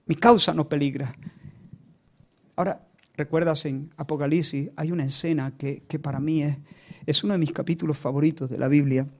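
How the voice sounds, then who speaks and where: A man preaching a sermon, dramatic and repetitive, swinging between hushed and loud delivery. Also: fairly high pitch, fairly even intonation, a little fast.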